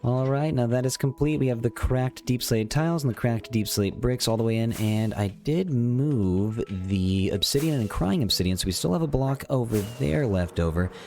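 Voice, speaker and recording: A man's voice: mid-range voice, animated, normal speed, few pauses, darkish tone. A man with a slight cold giving casual, chatty gameplay commentary as host of a gaming series, thinking aloud as he goes. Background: music.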